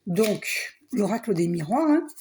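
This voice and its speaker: A hoarse middle-aged woman with a husky voice, talking casually in a spiritual vlog, often clearing her throat and trailing off. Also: medium pitch, very animated, unhurried. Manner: frequent throat clearing and coughing; hesitant, restarts, soft asides. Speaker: spiritual vlogger. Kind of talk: casual spiritual vlog, reading card box aloud.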